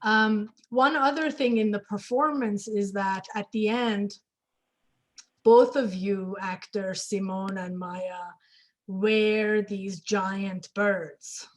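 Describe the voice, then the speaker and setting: Unhurried woman moderating a conversation. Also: medium pitch, fairly even intonation. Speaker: interviewer, moderator. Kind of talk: conversational panel interview.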